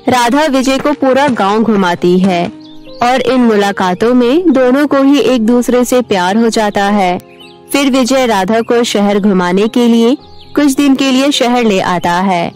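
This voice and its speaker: A woman narrating an animated children's story in a calm storytelling way. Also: on the high side, a little slow, faint music behind.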